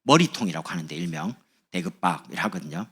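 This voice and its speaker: A man's voice: deep voice, lively intonation, quick pace, a bit bright, husky. A man preaching as a pastor, speaking in a chatty, humorous sermon to his congregation in a church. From Busan, South Korea. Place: church sanctuary.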